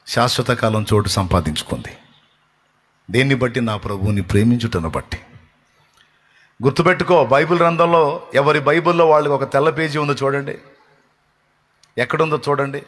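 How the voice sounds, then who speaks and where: A man's voice: medium pitch, husky. A man preaching a sermon with passion, retelling scripture scenes and putting questions to his listeners. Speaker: pastor. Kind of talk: Telugu sermon.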